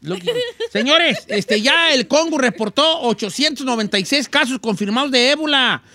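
A man's voice: very high-pitched, expressive, moderate pace, pushed and bright, no room sound. A Mexican man hosting a comic news chat, joking in slang with many restarts. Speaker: news show host.

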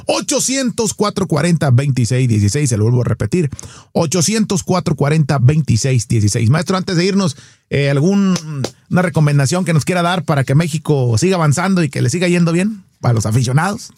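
A man's voice: on the high side, animated, a little fast, a little mellow, no echo. A man hosting a radio talk show, upbeat, repeating the phone number for listeners. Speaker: radio host.

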